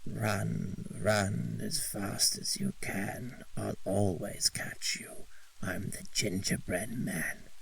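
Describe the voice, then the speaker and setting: A man in a put-on character voice at a very slow pace, with clear background noise. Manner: menacing, taunting.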